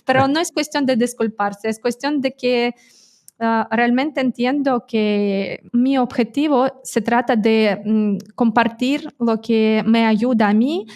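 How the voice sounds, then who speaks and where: A woman's voice: on the high side, slow, darkish tone. A woman who speaks Spanish as a non-native language, being interviewed in a direct, earnest way with frequent hesitations. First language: not Spanish. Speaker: interview guest. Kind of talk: conversational interview.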